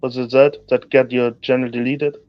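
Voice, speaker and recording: An excitable man on a stream panel, teasing and stumbling as he talks. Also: medium pitch, normal speed. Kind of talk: casual panel chat. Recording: dull lo-fi mic.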